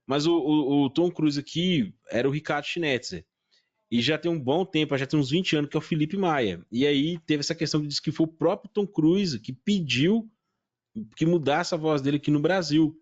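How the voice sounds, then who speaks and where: A man's voice: on the high side, moderate pace. A man with a Brazilian Portuguese accent hosting a podcast interview, eagerly retelling stories in casual chat. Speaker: podcast host. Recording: dull lo-fi sound.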